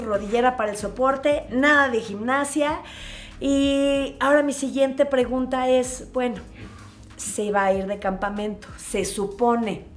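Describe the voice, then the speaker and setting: A woman with a Mexican accent telling a family story to her viewers in a casual, animated way. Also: on the high side. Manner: animated, expressive, acts out scenes. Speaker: vlogger.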